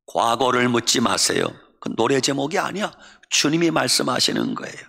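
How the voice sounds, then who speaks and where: A middle-aged man from Chungcheong preaching a sermon as a pastor, humorous, mimicking dialects and shouting for emphasis. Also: mid-range voice, very animated, moderate pace, creaky, slightly rough. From Chungcheong, Korea. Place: church sanctuary. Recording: long church reverb.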